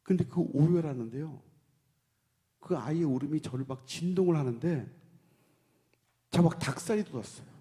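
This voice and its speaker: A man's voice: normal speed, long pauses. Man testifying in a reverberant church. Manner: storytelling with hushed low passages and sudden rising outbursts. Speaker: church deacon giving testimony. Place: church sanctuary with long reverb. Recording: long church hall reverb.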